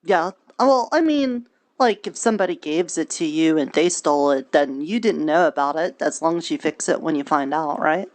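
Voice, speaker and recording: A woman roleplaying an earnest, naive, cheerful young preacher, talking in a halting, childlike way with folksy grammar. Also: deep voice, expressive, darkish tone. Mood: friendly, chatty. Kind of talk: improvised virtual reality roleplay.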